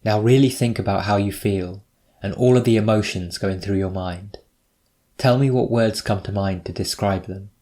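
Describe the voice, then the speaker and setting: A man narrating a scripted guided meditation, giving measured, instructive prompts with pauses between them. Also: on the low side, dark tone.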